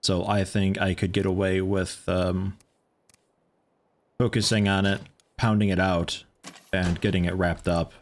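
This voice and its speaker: A man's voice: sits low, level tone, measured pace, long pauses. A man in his thirties giving rambling, casual commentary while livestreaming a game, swearing now and then. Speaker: gaming livestreamer.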